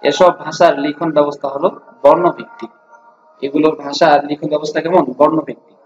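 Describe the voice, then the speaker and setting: A man's voice: a little high, little pitch movement, brisk, faint music behind. A male teacher with a Bangladeshi Bengali accent giving a grammar lesson, asking questions and answering them himself and repeating key points, mixing English words into his explanations. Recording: dull lo-fi recording with faint noise.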